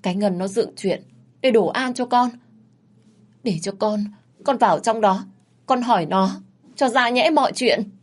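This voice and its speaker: A woman's voice: a little slow, long pauses, darkish tone. A woman voicing a desperate young female servant who pleads and whines with her master in a told story. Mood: pleading. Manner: whiny, pleading, rising high.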